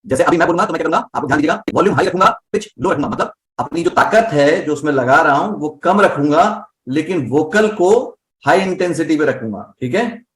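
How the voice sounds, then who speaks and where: Male voice teacher, quick and slightly high, explains with simple examples. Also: lively intonation, fairly bright tone. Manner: explains with everyday examples and checks understanding. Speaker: voice coach. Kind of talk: live online class.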